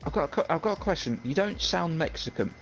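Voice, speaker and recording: A man's voice: a little high, expressive, brisk, lo-fi sound, soft background music. A man interviewing racers over voice chat in a casual, bantering style. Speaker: co-host interviewer. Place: voice chat from separate remote locations.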